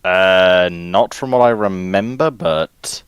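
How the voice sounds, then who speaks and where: A man with a low, deep voice takes part in a casual panel discussion, putting in corrections and details. The recording is dry and close. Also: takes it slowly, smooth, dry recording.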